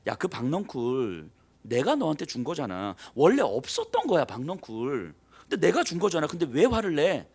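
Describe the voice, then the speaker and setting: A male pastor voicing God as a patient, fatherly figure who calmly reasons with a prophet, speaking slowly and lower than his usual voice. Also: breathy edge, exaggerated voice. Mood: gently reproving.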